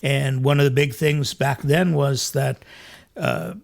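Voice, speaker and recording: A man's voice: mid-range voice, steady tone, slow pace, gravelly. A man hosting an interview as a priest, speaking earnestly and reflectively from a studio, often restarting his sentences. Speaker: priest and show host. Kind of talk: conversational interview. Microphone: studio mic.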